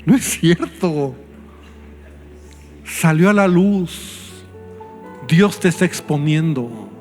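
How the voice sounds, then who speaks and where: A man with a Mexican Spanish accent, a pastor preaching an animated sermon to his church and acting out the voices he quotes. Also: fairly high pitch, very slow. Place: church hall. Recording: live church hall with reverb and faint music.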